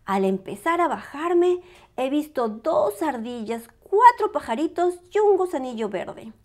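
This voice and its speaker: A woman's voice: high voice, sing-song, unhurried. A woman voicing an eager, polite little boy bear cub from a storybook, childlike and earnest. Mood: proud, excited.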